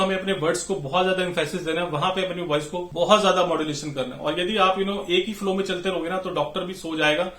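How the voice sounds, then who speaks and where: A man in his thirties explains sales skills to viewers in a friendly, chatty way, leaning on "you know" between phrases. His voice sits fairly high and he talks quickly. The room around him gives a noticeable echo. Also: a bit bright. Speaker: pharma sales trainer. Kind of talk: instructional talk to camera.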